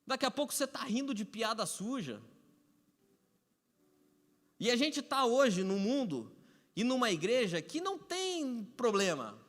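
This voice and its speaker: A man's voice: extremely high pitch, big pitch swings, a little slow, long pauses, fairly bright tone. A Brazilian man preaching a Sunday sermon as pastor, conversational and repetitive with touches of humor. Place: church sanctuary. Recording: echoey hall reverb.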